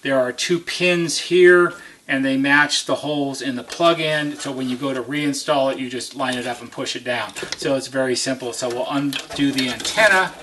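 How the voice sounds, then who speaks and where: A man's voice: medium pitch, moderate pace, bright, forceful tone, a little hiss or hum. A man giving a hands-on how-to demonstration as a repair technician, methodical and step-by-step, stressing key points.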